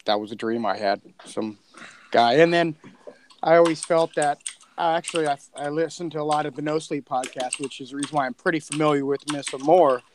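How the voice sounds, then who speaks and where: A man who co-created a podcast, chatting casually in an informal, somewhat halting way. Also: on the high side, a little hiss or hum. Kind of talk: casual chat.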